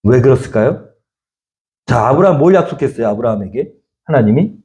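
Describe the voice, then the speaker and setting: A man's voice: medium pitch, expressive, brisk, warm tone. A middle-aged male pastor giving a Sunday sermon in a conversational way, often putting questions to the congregation.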